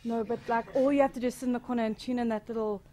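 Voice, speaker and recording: High-voiced woman introducing a stage show. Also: fairly even intonation, very fast, mellow. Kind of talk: live spoken introduction to an audience.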